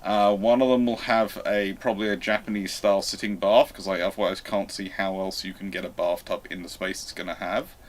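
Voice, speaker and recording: A man with a fairly low voice hosts a casual live stream. He rambles chattily as he takes questions and talks them through. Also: little pitch movement, brisk, few pauses.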